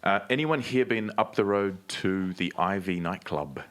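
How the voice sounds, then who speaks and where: A man's voice: low-pitched, animated, a little slow, fairly bright tone. A man co-hosting a live podcast on stage, speaking like a polished presenter who asks the audience questions. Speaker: podcast co-host. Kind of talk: live podcast panel talk.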